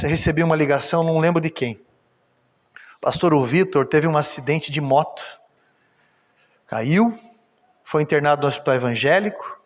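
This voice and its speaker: A Brazilian pastor telling a testimony in a church service sermon, moving from storytelling to emphatic exhortation. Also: male voice, on the high side. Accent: Brazilian Portuguese. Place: church sanctuary. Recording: church hall reverb.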